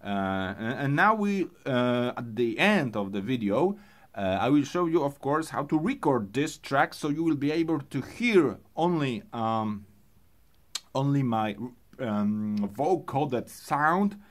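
Slow-talking man explaining gear. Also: mid-range voice, lively intonation. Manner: halting, many fillers and restarts. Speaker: music gear tutorial host. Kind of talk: casual tutorial explanation.

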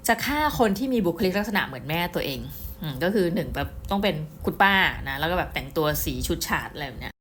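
A woman's voice: sits low, quick pace, a little hiss or hum. Chatty middle-aged woman reviewing books. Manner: chatty, addresses viewers directly, excitable storytelling. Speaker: book reviewer. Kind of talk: casual book review.

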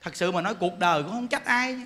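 A man's voice: high-pitched, lively intonation, quick pace, bright, forceful tone. A man in his forties with a Southern Vietnamese accent, giving a dharma talk in a joking, laughing way full of rhetorical questions. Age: 40s. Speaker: Buddhist monk preacher.

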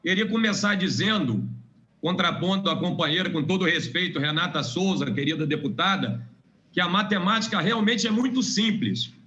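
A man's voice: high-pitched, lively intonation, normal speed, bright, forceful tone, dull audio. A man giving an emphatic, formal parliamentary speech as a state legislator in a legislative chamber, repeating points for weight.

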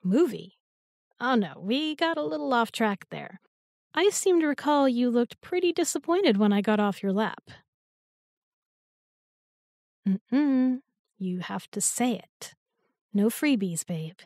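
A woman's voice: fairly high pitch, dry recording, studio quality. A young woman playing an affectionate, teasing new girlfriend in an intimate roleplay audio, with a playful, tender, coaxing manner.

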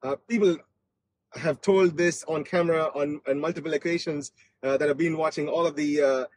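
A man from Australia giving casual, excited commentary as host of a test-drive vlog inside a car, often repeating his phrases. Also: a little high, fairly quick. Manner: enthusiastic, repeats phrases, hesitant with frequent repetition.

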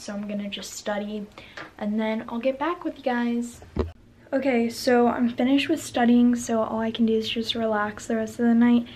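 A woman's voice: a little high, a little mellow, a little hiss or hum. A young adult woman talking casually to camera in a vlog, chatty and upbeat with lots of fillers. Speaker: vlogger.

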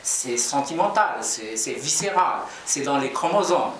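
A man's voice: medium pitch, animated, measured pace. A man in his forties, a Kabyle-born novelist, giving thoughtful, hesitant interview answers in a small office. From Algeria, Kabylie. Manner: reflective, gestures while talking, many hesitations. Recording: echoey room from far off, crowd murmur.

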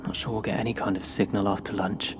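An actor playing an earnest, gentle research scientist in a naturalistic audio drama. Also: male voice, lowish voice, level tone, fast, background noise, close to an everyday voice. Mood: quiet wonder.

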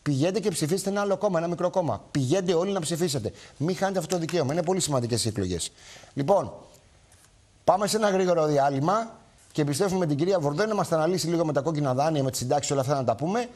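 A man's voice: fairly high pitch, animated, darkish tone. A man hosting a live television talk show, speaking emphatically to viewers and repeating his points.

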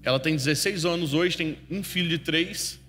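Emotional preacher in a reverberant hall. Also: male voice, fairly high pitch, moderate pace, a little hiss or hum. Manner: emotional storytelling, swings from hushed to loud. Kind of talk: sermon storytelling. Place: church hall. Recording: long hall reverb with faint music.

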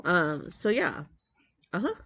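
A woman's voice: lowish voice, big pitch swings, slow pace, bright, forceful tone, slight background noise. A woman in her forties with a congested, nasal voice, chatting casually to a webcam at home, rambling with many ums and restarts. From Metro Detroit, Michigan. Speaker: crafting vlogger. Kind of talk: casual chat to camera. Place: home craft room, indoors. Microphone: webcam at desk.

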